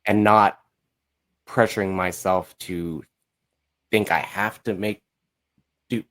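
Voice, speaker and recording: Male podcast guest, low-pitched, informal and unscripted, often feeling around for the right word. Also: fairly even intonation, takes it slowly, fairly bright tone. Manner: informal, hesitant, searching for words. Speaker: podcast guest, musical creator. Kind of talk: casual interview chat.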